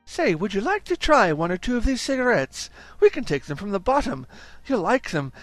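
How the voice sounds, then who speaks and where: A man's voice: high voice, sing-song, moderate pace, fairly bright tone, no room sound, soft background music, voice pushed up. A man voicing a bragging twelve-year-old boy. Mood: boastful, eager. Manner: eager, showing off.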